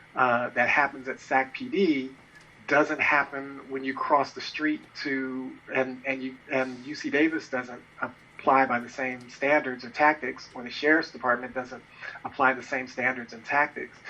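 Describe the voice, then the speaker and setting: At a moderate pace, a man with a medium-pitched voice talks in a flat monotone, his loudness swinging widely against noticeable background noise. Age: 40s. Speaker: newspaper publisher. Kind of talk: interview.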